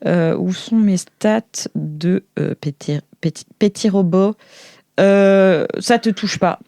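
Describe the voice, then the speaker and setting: A woman's voice: medium pitch, slow, vocal fry, warm tone. A woman improvising narration as a game master, playful and theatrical, bantering with her players.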